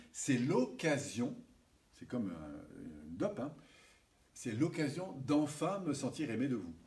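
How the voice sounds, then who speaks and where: A man giving a seminar lecture, animated and checking in with his audience often. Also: medium pitch. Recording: distant mic with faint hiss.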